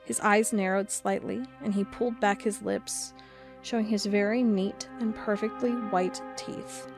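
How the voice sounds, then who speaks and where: Intense monster investigator gal, expressive audio drama delivery, faint music behind. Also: female voice, medium pitch, a little slow. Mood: awed, uneasy. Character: driven female cryptid investigator, sardonic, intense, stubborn. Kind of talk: audio drama narration and dialogue.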